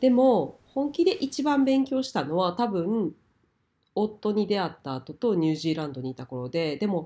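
A woman's dark, mellow voice at a medium pitch, with very wide pitch swings and a moderate pace. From Kansai, Japan. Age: 40s. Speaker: podcast co-host, working mother. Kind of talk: casual chat.

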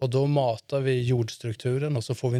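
The man's dark, mellow voice stays monotone and flat, heard dry and close with no echo. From Sweden, Uppsala. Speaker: farmer and chef. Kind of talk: casual interview. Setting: studio. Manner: halting.

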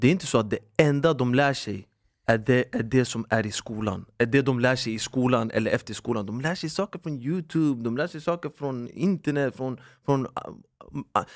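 A man with an unremarkable speaking voice, pitched in the middle range with ordinary variation. He talks at a moderate pace on a very clean recording with a silent background. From Sweden, Stockholm (Husby, Järva). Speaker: podcast co-host, former Medina student. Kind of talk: casual chat.

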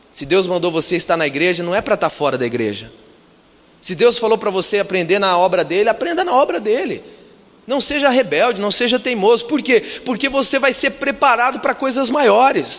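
An animated man with a high pitch talks at a fairly quick pace with very wide pitch swings amid noticeable background noise. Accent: Brazilian. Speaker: pastor. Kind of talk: sermon.

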